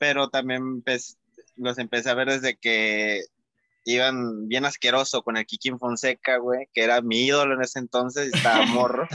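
A man's monotone, flat delivery at a moderate pace, dry and close with no echo, music playing in the background. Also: medium pitch for a man. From Acapulco, Guerrero, Mexico. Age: 20s. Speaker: podcast panelist. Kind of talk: casual sports chat.

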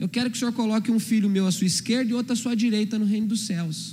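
Audible room echo surrounds a man speaking at a fairly quick pace. His pitch is high and his intonation fairly even. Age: 30s. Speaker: pastor. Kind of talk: sermon. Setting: church.

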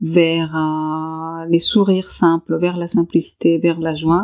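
The woman's voice is fairly low and her pace is very slow. The recording is very clean, with a silent background. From Colombia, Santander. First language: Spanish (speaking French). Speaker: life coach. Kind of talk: interview. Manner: halting, many repetitions.

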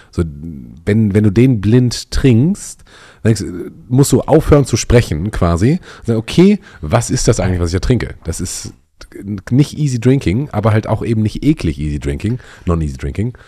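Long, frequent pauses break up a man's moderate pace. His fairly low pitch and dark, mellow tone move in very wide pitch swings. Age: 30s. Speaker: podcast host. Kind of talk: casual chat.

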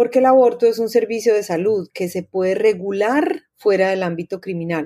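With an Antioquian accent, a woman talks at a fairly quick pace and a medium pitch. Her tone is dark and mellow, and the sound is dry and close with no echo. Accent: paisa. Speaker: physician and former health official. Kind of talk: interview.

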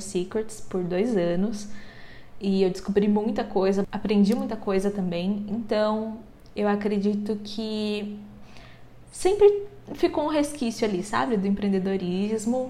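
A woman's medium-pitched voice with ordinary pitch variation, audible room echo, and noticeable background noise. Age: 20s. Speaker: entrepreneur and content creator. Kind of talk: casual interview chat.

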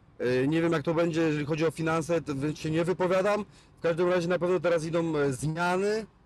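Noticeable background noise sits behind a man speaking at a very fast pace. His pitch is high and his loudness very even. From Poland, Kuyavia (Ciechocinek). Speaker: bare-knuckle fighter. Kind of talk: casual interview. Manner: halting, repeats words.

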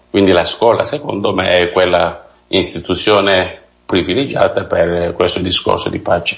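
A man talks at a moderate pace while noticeable background noise sits behind him. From Democratic Republic of the Congo. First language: not Italian (Congolese languages/French) (speaking Italian). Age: 30s. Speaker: religious brother and education researcher. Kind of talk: radio interview.

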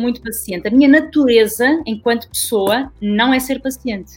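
Speaking at a fairly quick pace, a woman uses a high pitch. Her pitch variation is ordinary. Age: 40s. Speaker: real estate trainer. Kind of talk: interview. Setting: remote call.

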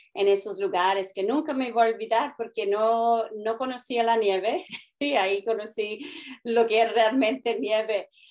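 With a plain, everyday voice, a woman speaks at a medium pitch and a fairly slow pace, keeping her intonation fairly even. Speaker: missionary's wife and author. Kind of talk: interview testimony.

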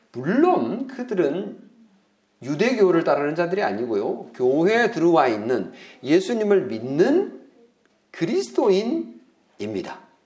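Amid audible room echo, a man with a high pitch and a dark, mellow tone speaks at a very slow pace with very wide pitch swings. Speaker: pastor. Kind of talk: sermon. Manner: conversational.

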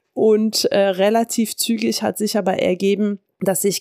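A woman of medium pitch speaks at a fairly slow pace in a dark, mellow tone with monotone, flat intonation, captured in a dry, close sound with no echo on a very clean recording with a silent background. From France, bilingual French-German. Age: 40s. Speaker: team leadership mentor and podcast host. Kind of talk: solo podcast monologue.

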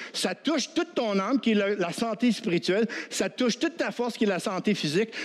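This man's voice sits high and moves with lively intonation. He keeps a moderate pace. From Ottawa, Franco-Ontarian. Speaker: preacher. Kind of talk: sermon. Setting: church.

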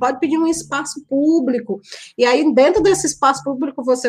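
Speaking in a Ceará accent, a woman uses a high pitch with ordinary pitch variation at a moderate pace. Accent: Brazilian northeastern (Ceará) Portuguese. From Ceará, Brazil (Maracanaú, near Fortaleza). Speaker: teacher and tabletop RPG YouTuber. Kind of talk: podcast interview. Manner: hesitant, frequent fillers.

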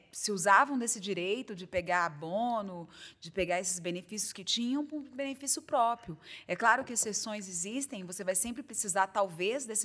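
Ordinary pitch variation in a bright, sharp tone. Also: woman. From Brasília, Brazil (moved from Cuiabá at 11). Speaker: teacher and storyteller, author. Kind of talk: casual interview.

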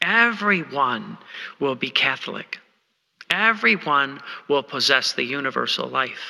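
A man's fairly high, bright, sharp voice with vocal fry and very wide pitch swings, at a fairly slow pace with long, frequent pauses. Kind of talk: retreat talk reading devotional meditation aloud. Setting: church parish retreat. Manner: enthusiastic.

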